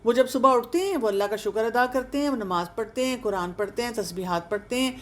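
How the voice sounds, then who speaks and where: A woman's voice: a little high, fairly bright tone. Earnest woman coaxing listeners with rhetorical questions. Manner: mixes English words into her speech. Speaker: counselor and speaker on aging. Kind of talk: advice talk for older listeners.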